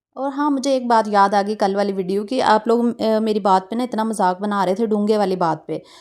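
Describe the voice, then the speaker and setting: A woman talks at a moderate pace with hardly any pauses, her fairly high pitch showing ordinary variation. The recording is very clean, with a silent background. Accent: Punjabi. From Punjab, Pakistan. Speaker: vlogger. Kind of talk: cooking tutorial; casual chat.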